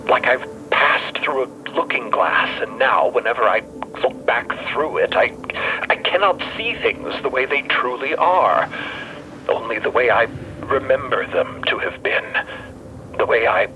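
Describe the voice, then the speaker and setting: Haunted scholar, narrow radio-like sound. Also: male voice, mid-range voice, animated, sharp tone, a little hiss or hum. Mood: brooding, resigned. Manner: halting, ruminative, theatrical. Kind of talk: audio drama acting.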